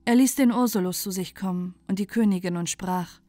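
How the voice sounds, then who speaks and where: A woman's voice: mid-range voice, a little fast, warm tone, dry recording. A woman narrating a fairy tale as a bedtime storyteller. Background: music.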